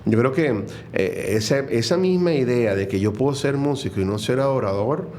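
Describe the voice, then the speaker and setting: A man's voice: mid-range voice, lively intonation, moderate pace, dark tone, a little hiss or hum. A middle-aged man with a Venezuelan accent, a guest speaking earnestly and reflectively in a conversational interview, with many fillers and restarts. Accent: Venezuelan Spanish.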